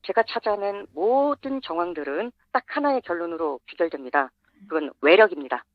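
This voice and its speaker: An anonymous interview guest whose voice is disguised by a voice changer, explaining findings in a steady, methodical way. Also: medium pitch, brisk, no echo, narrow, tinny audio.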